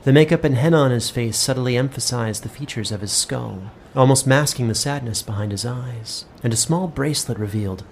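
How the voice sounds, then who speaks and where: A man's voice: medium pitch, slight background noise. Male fantasy narrator with mid-range voice. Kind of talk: scripted fantasy story narration.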